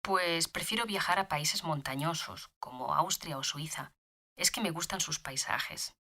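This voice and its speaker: A woman reading simple scripted dialogue for a beginner language lesson, clear and lively. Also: low voice, measured pace.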